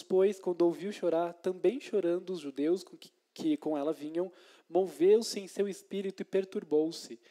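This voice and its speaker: Male deacon, mellow and somewhat high, chatty sermon style, keeps asking "right?", acts out scenes. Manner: conversational preaching with frequent tag questions; retells scripture in lively dramatized scenes. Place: church.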